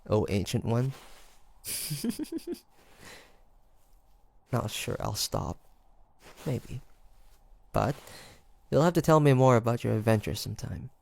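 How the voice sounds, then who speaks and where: A man playing a guarded, sardonic young demon hunter with a soft side, in a hesitant, stammering roleplay audio drama. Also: medium pitch, big pitch swings, slow, gravelly, long pauses, a little hiss or hum, heavily acted. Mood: teasing. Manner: hesitant, stammering, teasing, sighing. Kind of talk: roleplay audio drama, one-sided dialogue.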